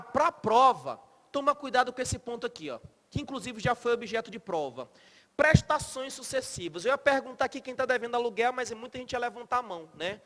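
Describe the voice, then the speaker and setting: A man lectures a law class in a very high, bright voice. He is blunt and profane, cracking jokes and throwing questions at his students. His voice rings out with a long reverb in the classroom. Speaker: law teacher.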